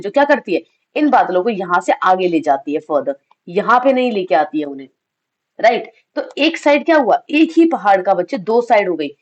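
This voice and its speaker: A woman's voice: medium pitch, dull audio. A woman teaching an exam revision lesson with a slightly sore throat, asking questions and answering them herself and mixing in English phrases. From India. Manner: addresses students as kids.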